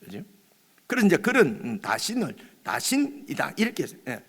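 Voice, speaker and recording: A male pastor giving a dawn prayer meeting sermon in a conversational way, often checking with his listeners and pausing on fillers. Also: on the high side, huge pitch swings, gravelly, a bit bright, long reverb tail. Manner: conversational, often asks "right?"; hesitant, many fillers and restarts.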